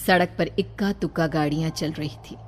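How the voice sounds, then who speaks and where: A woman narrates a cartoon horror tale in a brisk, blunt manner with a somewhat low voice. Light music plays faintly beneath her. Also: steady tone. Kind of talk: scripted cartoon story narration.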